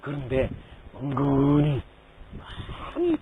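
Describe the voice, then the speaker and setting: A man's voice: mid-range voice, wildly swooping pitch, slow, phone-quality sound. A man, a Buddhist monk, giving a dharma talk to lay listeners, telling stories with rhetorical questions and mimicking the people in them.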